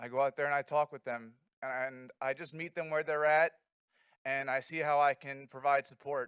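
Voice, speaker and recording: The delivery is monotone with flat intonation and a slight New York accent. The sound is dry and close, with no echo. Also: man, fairly high pitch for a man, moderate pace. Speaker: peer recovery coach, applicant for board. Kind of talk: public testimony at committee meeting. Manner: halting, many fillers.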